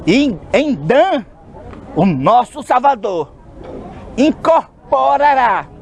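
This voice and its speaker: A man from Brazil with a Brazilian Portuguese accent, preaching a sermon outdoors on a city street, slow and emphatic, with sudden shouted stresses. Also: extremely high pitch, a little hiss or hum.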